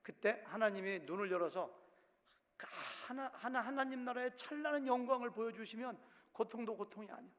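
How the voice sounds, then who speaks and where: A man's voice: extremely high pitch, brisk, fairly bright tone. A male pastor from Chungcheong province preaching a sermon with a regional accent, acting out quotes in shifting voices. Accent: Chungcheong Korean. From Korea, Chungcheong province. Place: church sanctuary. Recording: long hall reverb.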